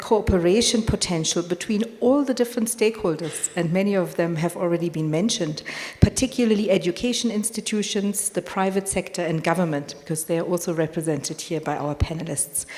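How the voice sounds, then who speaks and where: A woman with a German accent, lively intonation and a fairly quick pace, against noticeable background noise. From Germany. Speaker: panel moderator. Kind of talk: moderated panel discussion.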